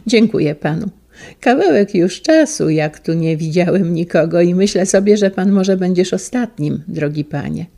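A woman voicing a gentle, wistful elderly male schoolteacher, speaking softly and haltingly. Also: fairly low pitch, lively intonation, gravelly. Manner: soft, halting and tender.

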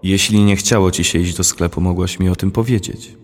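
A man reading a storybook, voicing a calm, wise father who gently lectures his daughter. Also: sits low, brisk, close to an everyday voice. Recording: long hall reverb.

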